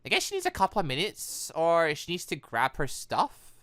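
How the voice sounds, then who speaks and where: A woman hosting a gaming video, giving casual, excitable playthrough commentary with halting exclamations. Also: lowish voice, no room sound.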